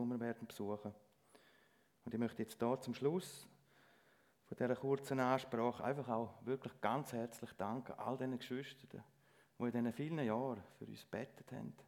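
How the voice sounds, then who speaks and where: A middle-aged man giving a lay sermon in church, speaking earnestly and haltingly with frequent restarts. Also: mid-range voice. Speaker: lay preacher.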